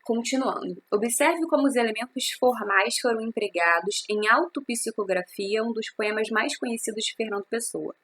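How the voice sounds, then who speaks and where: A woman's voice: on the high side, normal speed, few pauses, fairly bright tone. A woman, teaching a recorded literature class and explaining step by step, asking and answering her own questions.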